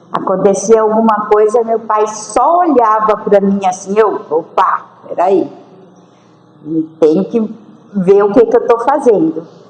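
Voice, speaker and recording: A woman's very slow, fairly high-pitched speech with long, frequent pauses and ordinary pitch variation over noticeable background noise. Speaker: spiritist lecturer. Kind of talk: lecture. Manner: loud; animated. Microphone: no microphone.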